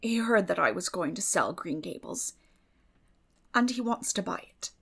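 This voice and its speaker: Woman reading as a weary, creaky older farm woman. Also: lowish voice, animated, moderate pace, exaggerated voice. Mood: sorrowful, resigned. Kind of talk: dramatic audiobook reading.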